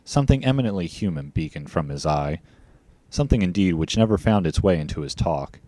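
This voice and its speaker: A man's voice: deep voice, expressive, fairly quick, dark tone, no echo. A man working as a voiceover artist, reading scripted narration and advertising copy.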